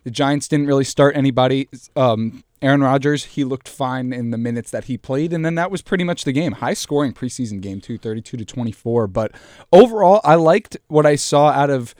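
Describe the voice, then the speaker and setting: A young man co-hosting a casual sports talk show, relaxed and laid-back, sprinkling in fillers. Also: medium pitch, brisk, no echo, studio quality. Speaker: podcast co-host.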